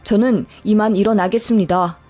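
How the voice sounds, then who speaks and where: A woman voicing a dignified older man who speaks firmly and politely, lower than her own voice. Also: steady tone, dark tone, natural voice. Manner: firm, measured and polite. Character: calm dignified older man, future stepfather.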